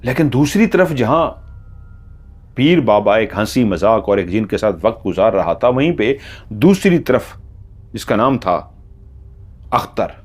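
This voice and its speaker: Male horror storyteller, lowish voice, dramatic scripted narration. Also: big pitch swings, unhurried, long pauses, darkish tone.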